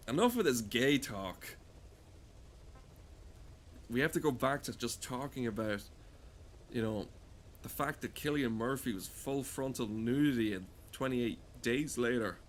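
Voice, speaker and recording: A man rambles through crude comedic game commentary in a mid-pitched voice. He swears freely and talks in a loose, wandering way, with some background noise behind him. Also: animated, measured pace, pauses often. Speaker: gamer talking over gameplay.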